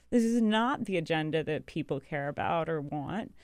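A woman with a fairly low pitch speaks in a normal speaking voice with an American accent. Her intonation is lively, her pace moderate, and the recording is very clean with a silent background. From North Carolina. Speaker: political writer and lawyer. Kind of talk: casual political chat.

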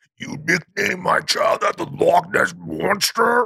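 A man shouts and growls in a put-on character voice at a moderate pace. The sound is dry and close, with no echo. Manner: furious, yelling.

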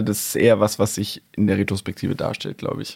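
This man speaks in a fairly low register, his voice carrying vocal fry. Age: 30s. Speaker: podcast co-host. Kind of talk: casual chat.

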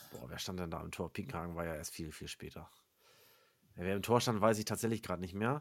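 A man's very deep, low voice at a very fast pace, broken by long, frequent pauses, with big swings in loudness, ordinary pitch variation and a very clean recording over a silent background. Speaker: podcast guest, football fan. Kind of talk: casual chat. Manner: halting, many fillers and repetitions.

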